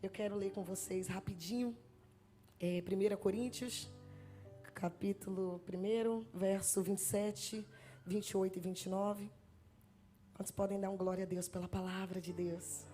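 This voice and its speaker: A woman's voice: medium pitch, steady tone, moderate pace, mellow, soft background music. Nervous, joking Bahian woman preacher. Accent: Bahian Portuguese. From Bahia, Brazil. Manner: chatty, self-deprecating, jokes with the congregation. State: nervous, trembling. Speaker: guest preacher. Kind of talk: sermon with joking testimony. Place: church sanctuary. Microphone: handheld mic.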